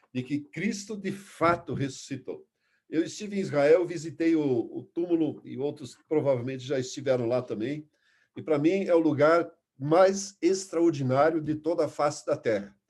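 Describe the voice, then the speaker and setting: A man's voice: a little high, normal speed, a little mellow, slightly rough. A man teaching a Bible lesson, earnest and emphatic, stopping to restart words and reading scripture aloud. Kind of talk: Bible class lecture.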